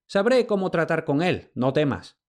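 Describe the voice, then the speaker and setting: A man voicing a proud Greek king who barks orders and blusters with quick anger. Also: fairly high pitch, very animated, pitched above the performer's own voice. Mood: boastful. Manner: commanding, blustering.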